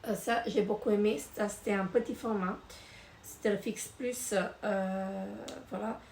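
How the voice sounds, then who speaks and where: A woman's voice: medium pitch, fairly even intonation, unhurried, a little mellow. A middle-aged woman casually reviewing finished beauty products, hesitant, with many fillers and repeated words. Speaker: beauty vlogger. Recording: echoey room with faint noise.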